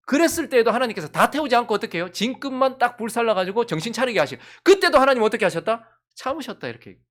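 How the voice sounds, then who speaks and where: A woman pastor with a Gyeongsang accent preaching a sermon, asking the congregation one rhetorical question after another. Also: a little high. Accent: Gyeongsang Korean.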